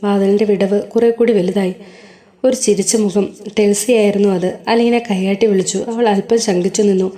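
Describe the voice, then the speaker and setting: A woman narrating a serialized novel in a calm, steady storybook reading. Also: medium pitch, moderate pace.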